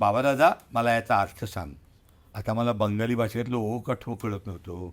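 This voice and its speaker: Man with a medium pitch and an unremarkable speaking voice. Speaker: memoir storyteller. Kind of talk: personal storytelling.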